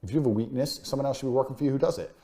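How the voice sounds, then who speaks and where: A man's voice: medium pitch, racing, dark tone. A man giving a motivational business lecture, blunt and boastful, swearing freely and hammering points home with repetition. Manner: punchy, emphatic repetition. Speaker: business course speaker.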